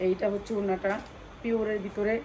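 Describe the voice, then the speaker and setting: A woman with a Bangladeshi accent doing an insistent hard-sell live sales pitch for wholesale clothing, repeating key phrases and prices over and over. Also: flat delivery, brisk, mellow, highs cut off, slight background noise. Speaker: clothing wholesale seller presenting stock.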